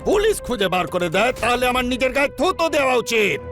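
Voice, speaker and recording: A whiny, sentimental underworld don from a cartoon. His delivery is theatrical and swings wildly in pitch, often climbing very high, over prominent music. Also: sing-song, quick pace. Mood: indignant. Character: melodramatic, sentimental underworld don attached to his dart gun. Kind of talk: animated cartoon dub.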